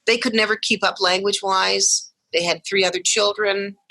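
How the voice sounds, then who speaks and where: Woman guest, bright, forward voice, dry close recording, animated storyteller. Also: medium pitch, normal speed, no echo. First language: English. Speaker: guest, mother of deaf twins. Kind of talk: podcast interview storytelling.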